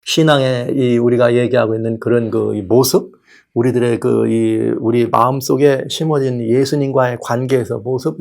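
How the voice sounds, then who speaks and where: A male pastor giving a lively sermon, often putting rhetorical questions to the congregation. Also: medium pitch, gravelly. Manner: animated preaching, asks rhetorical questions.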